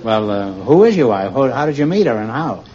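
A man hosting a quiz show, teasing the contestants with wry, deadpan quips, heard on a dull old broadcast recording. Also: medium pitch, fairly quick, heavy background noise. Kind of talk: wisecracking quiz host banter.

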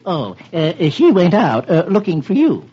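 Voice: mid-range voice, huge pitch swings, unhurried, mellow, slightly rough, exaggerated voice. A performer voicing a bumbling male photographer who talks hesitantly and fussily, on a dull old radio recording. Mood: fussy. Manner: hesitant, fussy.

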